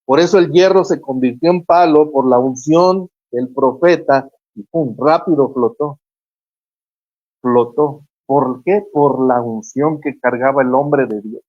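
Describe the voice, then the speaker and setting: A preacher, preaching fervently on a Christian radio show and retelling scripture stories with acted quotes. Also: female voice, rumbling low, a little slow, dry recording, lo-fi sound. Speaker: guest preacher on a radio program.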